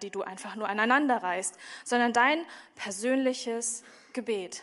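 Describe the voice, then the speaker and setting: A woman speaks with a high pitch and a warm tone. Her pace is fairly slow. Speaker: preacher. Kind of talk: sermon. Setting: church. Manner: warm, conversational and personal, like chatting with the congregation; earnest and heartfelt, building to a call to prayer.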